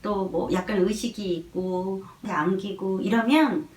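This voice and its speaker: A woman's voice: mid-range voice, measured pace. Earnest woman explaining parenting, echoey room. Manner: earnest, gently reassuring. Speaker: parenting educator. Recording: echoey room, mic far off.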